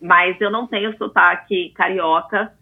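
A Brazilian woman in her forties, a guest in an interview, chatting in a lively way with many asides. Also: lowish voice, moderate pace, slightly rough. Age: 40s. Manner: chatty, animated storyteller with frequent asides. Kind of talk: casual interview talk. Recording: tinny phone-like line.

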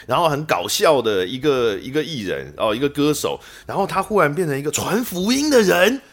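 Quick, animated Taiwanese man hosting. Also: on the high side. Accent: Taiwanese Mandarin. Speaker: podcast host interviewing a musician. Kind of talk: casual conversational interview.

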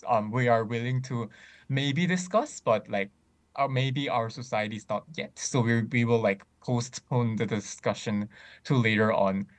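A man in casual discussion, speaking thoughtfully with frequent pauses and restarts. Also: medium pitch. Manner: many fillers and restarts, thoughtful.

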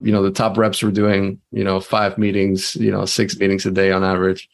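A man's voice: sits low, completely flat delivery, a little fast, gravelly. A man from Venezuela, a sales leader, talking casually as an interview guest with frequent restarts.

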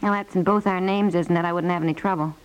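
An actress playing a practical, needling, dryly sarcastic wife in a 1950s radio comedy. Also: female voice, lowish voice, steady tone, quick pace, clear, resonant tone, lightly acted, low-quality recording. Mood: dryly pointed. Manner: incredulous, wry nagging.

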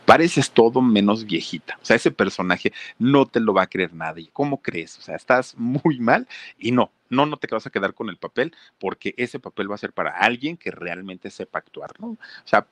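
A man's voice: fairly low pitch, lively intonation, moderate pace, dry recording. A man voicing a stern, dismissive film director who scolds with repeated no's. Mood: scolding.

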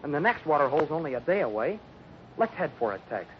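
Eager young prospector, fairly high voice. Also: male voice, very animated, fast. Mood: coaxing. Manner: eager, coaxing. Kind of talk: old-time radio western acting. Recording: dull, noisy old radio recording.

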